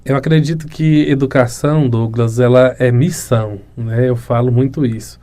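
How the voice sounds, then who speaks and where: A man's voice: medium pitch, steady tone, normal speed, mellow. A man in his thirties with a Goiás Brazilian accent, answering interview questions earnestly and reflectively, often ending phrases with a tag question. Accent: Brazilian Portuguese, Goiás. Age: 30s. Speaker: municipal education secretary, guest.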